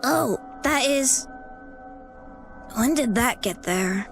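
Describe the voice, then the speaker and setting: A woman voicing a caring, worried young fox boy with a gentle manner in a comic dub. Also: sits high, animated, drawn-out words, vocal fry, faint music behind, exaggerated voice. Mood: concerned, puzzled. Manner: gentle, concerned. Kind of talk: horror comic dub voice acting.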